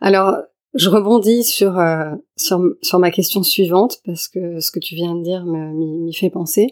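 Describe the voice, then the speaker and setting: A woman talks at a fairly slow pace in a medium pitch with ordinary pitch variation. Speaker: podcast host. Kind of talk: interview. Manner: lyrical, scripted intro.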